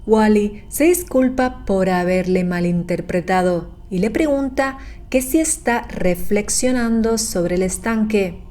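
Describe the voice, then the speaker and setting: A woman delivering scripted narration for a horror recap, in a measured, explanatory manner. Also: mid-range voice, darkish tone.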